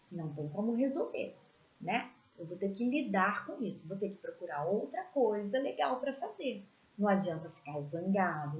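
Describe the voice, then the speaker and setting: A woman teaching a children's religious class, telling stories in a gentle, expressive way and pointing out pictures as she goes. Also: mid-range voice. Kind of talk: storytelling lesson for children. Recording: echoey room, dull lo-fi sound.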